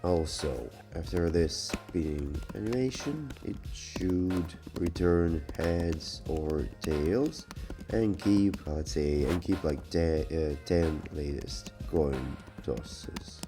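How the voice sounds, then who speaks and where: A man's voice: rumbling low, slow pace, over music. A man giving casual, unscripted review commentary in a hesitant, rambling, sardonic way. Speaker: YouTube software reviewer.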